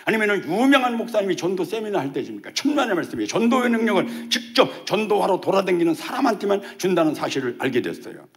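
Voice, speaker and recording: An older man gives a testimony sermon as a church elder, talking quickly. His pitch leaps up and down as he acts out the dialogue in his story, which keeps the storytelling animated. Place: church service.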